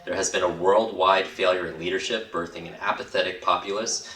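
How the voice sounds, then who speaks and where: Very low male voice, grave oratorical read, roomy distant recording. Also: fairly even intonation, fairly quick, sharp tone. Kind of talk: scripted motivational reading. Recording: echoey, distant from the mic.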